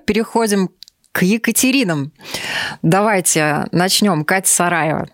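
A woman's voice: mid-range voice, expressive, measured pace, no echo. A woman hosting a studio podcast, friendly, with many filler sounds and a shifting pace. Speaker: podcast host. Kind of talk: hosting a studio talk show.

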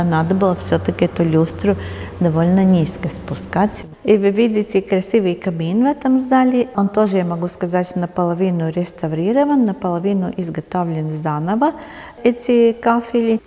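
A woman's voice: fairly low pitch, mellow. A woman museum guide explaining things on a tour, chatty with small hesitations, her voice ringing with a long cathedral-like echo in a large castle hall. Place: large ballroom of a castle, indoors. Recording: echoey big hall reverb.

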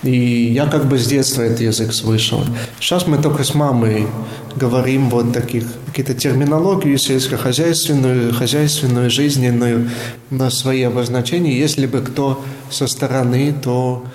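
Young priest talking in an echoey church. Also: male voice, medium pitch, fairly even intonation, moderate pace, a little mellow. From Latvia. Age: young adult. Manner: explanatory, searching for words. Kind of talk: interview conversation. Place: inside a church. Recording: echoey church with faint noise.

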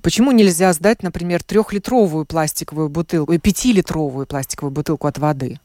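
A woman with a lowish voice hosts a radio interview in a dry studio. She asks direct questions and sums up what her guests say. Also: fast talker, dark tone, no room sound. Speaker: radio host.

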